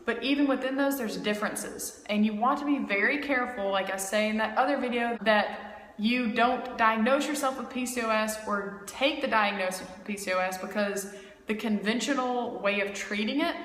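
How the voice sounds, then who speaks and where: A woman's voice: a little high, normal speed, fairly bright tone. A woman in her twenties, a health coach, giving a casual, emphatic talk to camera and often checking in with "okay?". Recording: echoey room with long reverb.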